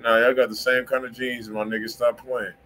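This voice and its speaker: A man's voice: mid-range voice, little pitch movement, a little fast, over a noisy crowd, low-quality recording. A man with an American accent chatting casually and slangily as he hosts a music review livestream. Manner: slangy, informal. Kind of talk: casual chat, informal song feedback.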